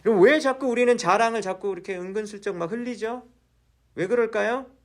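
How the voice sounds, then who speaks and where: A man's voice: high-pitched, brisk. A male pastor preaching a sermon in a church, asking the congregation questions and then answering them himself.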